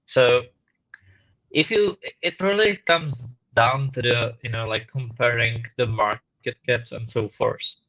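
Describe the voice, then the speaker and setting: A man chats casually on a live panel, explaining things in plain, upbeat terms. His voice is bright and forceful. The call sound is dull and muffled, as if it came through a wall. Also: medium pitch, takes it slowly, no room sound. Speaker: panelist on a live market show. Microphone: remote call away from home.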